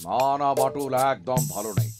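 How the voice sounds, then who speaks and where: A man voicing an excitable, anxious police inspector in a children's cartoon, with a theatrical, fretful manner. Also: mid-range voice, a little fast, natural voice. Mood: worried. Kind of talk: animated children's cartoon dubbing. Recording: loud music under the voice.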